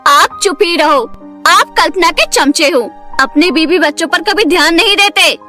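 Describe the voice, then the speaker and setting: A woman acts out a haughty, scheming mother in a cartoon family drama. Her voice sits extremely high and she scolds with open contempt. Light music plays behind her. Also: normal speed. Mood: angry, scolding. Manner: scolding, sharp-tongued, contemptuous. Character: spiteful, scheming sister-in-law, haughty mother of a boy. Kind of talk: Hindi cartoon story voice acting.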